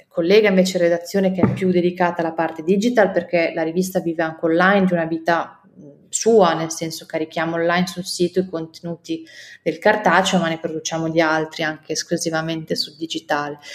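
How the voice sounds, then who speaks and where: A woman speaks at a fairly quick pace in a fairly low voice. Her intonation is monotone and flat. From Romagna, Italy (province of Ravenna). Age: 30s. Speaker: food magazine editor. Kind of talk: podcast interview.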